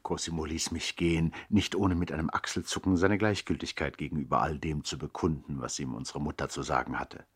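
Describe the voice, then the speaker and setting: A man acting as a reflective narrator who recalls his boyhood in a measured, literary 1960s radio play style. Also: a bass voice, fairly even intonation, breathy edge, dry recording, studio quality. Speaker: narrator and actor.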